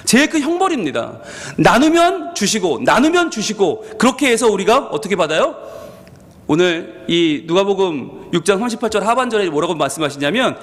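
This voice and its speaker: A male senior pastor preaching a sermon, with sudden swings in pitch and volume, acting out what his listeners might think in quoted asides. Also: very animated, normal speed, a bit bright, in a large hall. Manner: acts out the congregation's thoughts in quoted asides. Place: church sanctuary.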